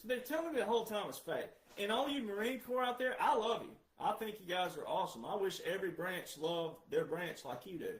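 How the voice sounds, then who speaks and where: Male commentator, high register, roomy echo; emphatic, repeats key words for stress. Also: animated, fairly quick, few pauses. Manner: emphatic, asks rhetorical questions then answers them. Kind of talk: monologue commentary.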